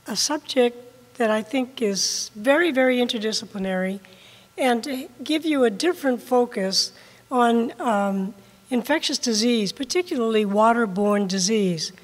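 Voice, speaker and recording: An older woman giving a public science lecture at a podium, slightly hoarse from a cold, measured with occasional ums. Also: on the high side. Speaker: guest lecturer. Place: large lecture room with audience. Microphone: podium mic. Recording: long hall reverb.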